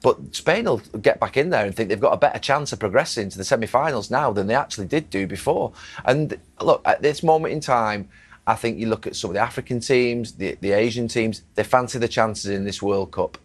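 A man's voice: mid-range voice, slightly rough. A middle-aged man giving blunt football analysis in a TV studio on a lapel mic. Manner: brisk, blunt opinions. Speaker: football pundit. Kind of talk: post-match studio analysis. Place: TV studio above a stadium.

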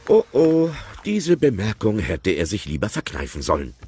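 A man narrates an audio-play story with playful, expressive commentary. His voice sits low but swings widely in pitch, with faint music underneath. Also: moderate pace.

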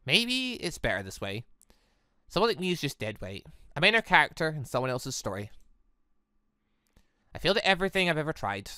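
A woman's voice: low voice, big pitch swings, brisk, long pauses, pushed and bright, no room sound, clean studio sound, heavily acted. A woman voicing a wounded, self-reproaching but defiant young maiden in a visual novel, brooding and dramatic. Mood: despairing.

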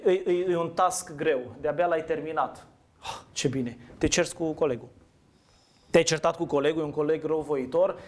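A man preaching a sermon in a conversational way, asking his listeners questions and answering them himself. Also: on the high side. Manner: asks the audience questions, conversational. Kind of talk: interactive sermon.

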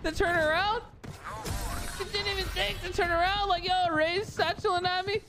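A young man streaming a shooter game from his room on a desk mic, talking loudly and excitedly, swearing and laughing. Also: very high-pitched, moderate pace, music in the background. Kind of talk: casual gaming chat. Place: room at home.

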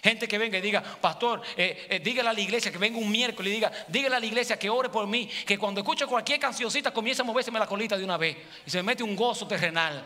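A pastor in his forties with a Dominican accent, preaching a sermon and moving between loud appeals and quiet asides. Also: sits high, fast, hardly any pauses. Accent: Dominican Spanish. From Dominican Republic. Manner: preaching with sweeping gestures, voice swinging from loud to soft. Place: large church sanctuary with red seating. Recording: church hall reverb, faint music.

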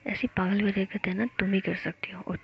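A playful, teasing young woman lover speaks in a whispered role-play, as a woman puts her on. The voice has a gravelly edge under the whisper, and the recording is slightly dull with faint hiss. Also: mid-range voice, level tone, normal speed, natural voice.

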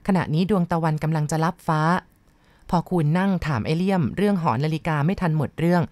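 A woman reads a novel aloud in a calm, even way. Her voice sits fairly low. The recording is close and dry, with no room sound. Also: no echo. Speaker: audiobook reader.

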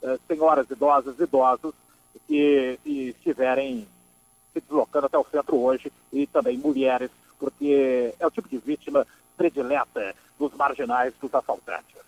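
A man's voice: mid-range voice, steady tone, normal speed, no room sound, low-quality recording. A man from inland São delivers a police news bulletin as a reporter, emphatically, repeating phrases for stress and adding conversational asides. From Brazil. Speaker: police-beat radio reporter. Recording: dry voice over background music. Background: background music.

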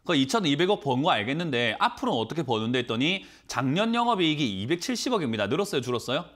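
A man in his thirties with a cold, a stock market mentor on a studio call-in show, talking quickly and asking many rhetorical questions. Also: fairly high pitch, very animated, a bit bright. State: has a cold. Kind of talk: financial advice call-in show.

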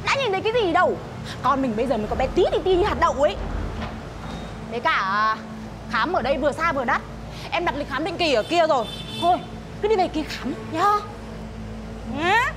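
A woman's voice: high voice, lively intonation, normal speed, pauses often, noisy background. An actress playing a young pregnant woman betrayed by her lover, crying as she talks. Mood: coaxing. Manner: shouts in rage then sobs. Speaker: lead character. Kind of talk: TV drama acting. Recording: music score behind.

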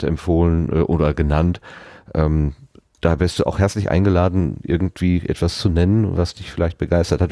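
A man's voice: sits low, dark tone, no room sound, studio quality. A man casually moderating a podcast conversation as its host.

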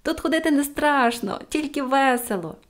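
A woman's voice: on the high side, lively intonation, moderate pace, lightly acted. A woman voicing a cheerful, cheeky little girl in an audiobook, with playful, exclaiming lines. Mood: gleeful. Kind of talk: audiobook character voice.

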